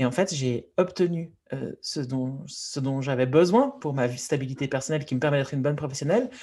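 A woman with a very deep, low pitch talks at a moderate pace, her pitch varying in an ordinary way. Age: 30s. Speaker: podcast host. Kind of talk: casual interview.

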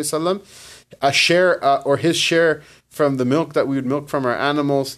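With an American accent, a man speaks in a fairly high pitch and fairly even intonation on a very clean recording with a silent background. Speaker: Islamic teacher. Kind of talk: lecture. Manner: fast.

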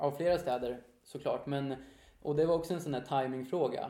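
A man speaks in a fairly high pitch, his tone dark and mellow. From Sweden, Södermanland (Mariefred). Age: 30s. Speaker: author. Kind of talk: casual interview.

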